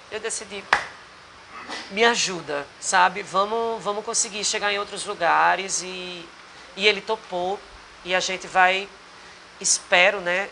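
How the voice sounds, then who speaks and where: During a casual bar interview, a Potiguar-accented singer and actor from Rio Grande do Norte in northeastern Brazil talks earnestly and rambles, often restarting. He sounds high, pushed, and bright, and the low-quality recording carries a little hiss or hum.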